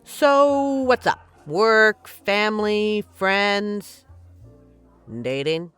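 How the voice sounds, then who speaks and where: A woman's voice: medium pitch, extremely slow, a bit bright, clean tone, soft background music. A woman playing a flirty, teasing but caring bartender in an intimate, conversational audio roleplay. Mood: curious, sympathetic. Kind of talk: intimate scripted roleplay, ASMR-like.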